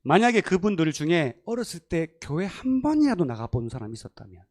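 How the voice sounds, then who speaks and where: In a church sanctuary, a man with a fairly high voice preaches briskly, weaving stories into his sermon. He performs the quoted voices with animation and frequently breaks into laughter.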